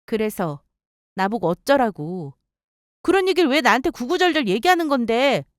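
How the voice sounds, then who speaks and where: A woman narrating a dramatized personal story for story radio and voicing her own sharp-tongued replies. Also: on the high side, big pitch swings, moderate pace, no room sound, clean studio sound.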